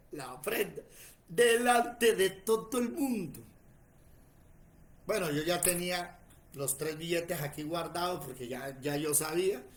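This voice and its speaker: Preacher, male, forties, voice sits a bit high, animated storyteller who acts out the people in his stories. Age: 40s. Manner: animated, tells stories acting out other voices. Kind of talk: sermon with personal stories. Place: church.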